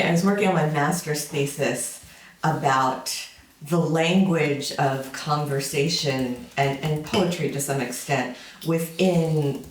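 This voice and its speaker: In this roomy, distantly miked recording with slight hiss or hum, a fifty-something lecturer talks conversationally at a summer school, often using fillers and adding wry comments. The voice is mid-range.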